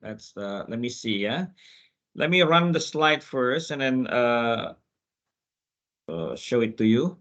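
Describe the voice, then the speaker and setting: A man's voice: medium pitch, lively intonation, fairly bright tone. A man from Indonesia with an Indonesian accent, presenting informally in a webinar, hesitating often and repeating words. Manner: halting, hesitant, frequent pauses and repeated words. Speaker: guest speaker, IT security expert. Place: office, over an online video call. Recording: dull, compressed online call audio.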